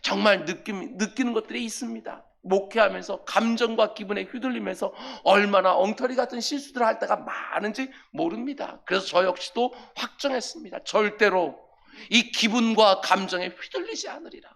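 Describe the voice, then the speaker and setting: A middle-aged male pastor preaching a sermon, building to loud, emphatic commands as he acts out scripture lines. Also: sits high, fairly quick, gravelly.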